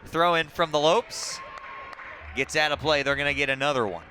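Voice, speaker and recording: A man's voice: fairly high pitch, normal speed, pushed and bright. A man doing live TV soccer play-by-play, mixing short clipped calls of the action with statistical recaps. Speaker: play-by-play sports commentator. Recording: clearly noisy outdoor broadcast with crowd ambience. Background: crowd and outdoor ambient noise.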